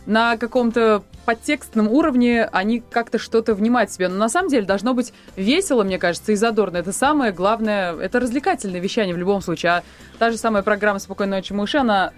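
A woman guest on a radio talk show, a mother, talking in a lively, emphatic way. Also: mid-range voice. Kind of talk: radio studio discussion.

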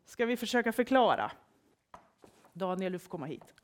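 Woman preacher, animated storyteller for a family church service, middle pitch. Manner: lively, expressive storytelling. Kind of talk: storytelling sermon for all ages.

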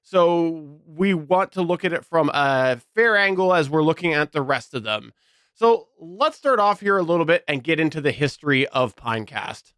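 A man's voice: on the high side, lively intonation, normal speed, fairly bright tone, smooth, dry recording, clean studio sound. A man co-hosting a podcast, chatting casually about recording gear and laughing often. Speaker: podcast co-host. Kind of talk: casual tech chat.

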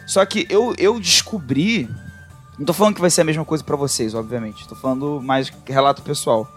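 A Brazilian man with a fairly high voice talks casually as a podcast co-host. He rambles thoughtfully in slangy, halting bursts, and faint music plays behind him. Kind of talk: casual, reflective podcast chat.

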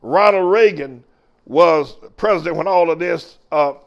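A man's voice: a little high, a little slow, dull audio. An older American man preaching a fiery political sermon as a show host, emphatic and declamatory. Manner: emphatic, declamatory, swinging from shouts to muttered asides.

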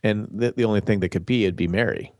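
A man's voice: fairly low pitch, fast, darkish tone, no room sound, studio quality. Congested, nasal man talking TV. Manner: rambling, restarts mid-sentence. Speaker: podcast co-host. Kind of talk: casual TV discussion.

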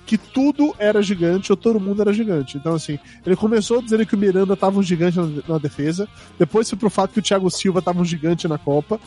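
Podcast host, male, from Brazil, hoarse today, high-pitched, self-mocking banter over faint music. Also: dark tone. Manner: joking, quick to laugh at himself. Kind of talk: casual chat.

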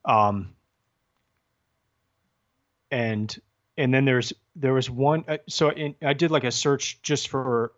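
A man of middle pitch hosts a podcast chat, hesitant and self-correcting as he talks things through. His recording sounds dull and lo-fi. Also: fairly even intonation, slow pace, pauses often. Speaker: podcast host. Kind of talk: casual discussion.

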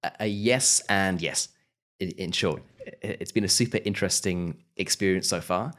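Low-voiced British man, reflective. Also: moderate pace, a bit bright. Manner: thoughtful, frequent restarts and small laughs. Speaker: podcast host and audio drama producer. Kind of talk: casual interview talk.

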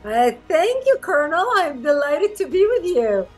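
A woman's voice: sits high, big pitch swings, moderate pace, darkish tone, soft background music. A woman from Lebanon, a radio interview guest telling her story with passion and emphasis.

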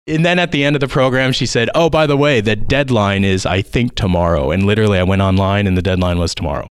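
Deep-voiced Southern Californian man, chatty. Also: fast, clean tone, no echo, studio quality. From United States. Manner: enthusiastic, rambling with fillers and laughs. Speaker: guest educator. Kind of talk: podcast interview.

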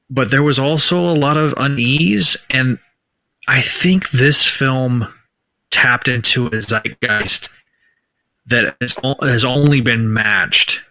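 A man co-hosting a casual film discussion, talking haltingly with many restarts as he builds his point. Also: medium pitch, sharp tone, no echo. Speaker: podcast co-host. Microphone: remote call setup.

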